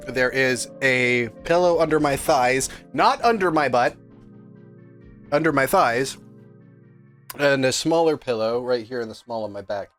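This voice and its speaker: A man's voice: medium pitch, a little slow, a bit bright, faint music behind. A man streaming a story game, chatting playfully and making jokey asides as he reads. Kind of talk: casual game stream, reading story aloud.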